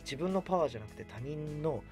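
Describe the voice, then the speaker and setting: A man's voice: on the high side, lively intonation, fast talker, over music. A man chatting casually as a guest on a radio show, recorded on a studio mic. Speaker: guest voice and stage actor. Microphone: studio boom mic.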